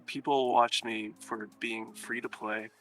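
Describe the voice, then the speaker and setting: Man, American accent, young adult, medium pitch, bright tone, easygoing and joking guest, faint music behind. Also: little pitch movement, a little slow. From United States. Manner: easygoing, laid-back and joking. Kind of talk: casual chat.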